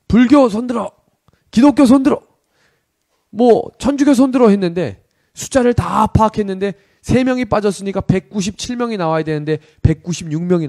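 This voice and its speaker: Male pastor, high voice, preaches through a personal story and acts out the scenes. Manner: storytelling, acts out shouted army commands; asks the congregation questions.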